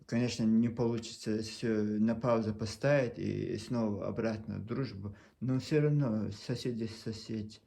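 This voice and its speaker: A low-pitched man with a Chechen accent speaks to his camera in a Russian that is not his mother tongue. His voice is gravelly and mellow. He sounds sincere and pleading, stumbling and circling back as he talks. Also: steady tone. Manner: earnest, pleading, halting with frequent restarts. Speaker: video blogger. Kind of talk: casual monologue to camera.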